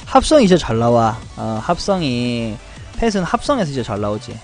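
A young man commentating his game card and pet draws, greeting viewers and chanting loudly when good results come up. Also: medium pitch, a little fast, faint music behind. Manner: animated, chants and shouts at good pulls. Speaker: game streamer. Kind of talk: excited gacha pull commentary.

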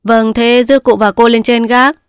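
A woman voicing a brisk old female midwife's helper who speaks politely and calls out loudly upstairs, in a dry recording. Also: on the high side, steady tone, clean tone, no echo, lightly acted. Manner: polite, then calling loudly.

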